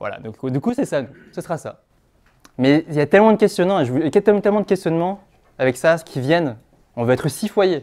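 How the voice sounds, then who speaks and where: Against a quiet background, a dark, mellow voice races at a very fast pace yet leaves long, frequent pauses. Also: man, high pitch for a man, lively intonation. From northern France (Pas-de-Calais, Hénin-Beaumont); Pas-de-Calais, France. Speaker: ecovillage cofounder and trainer; speaker. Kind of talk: public talk; personal story talk to an audience. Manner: hesitant with fillers. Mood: reflective, friendly. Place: home room.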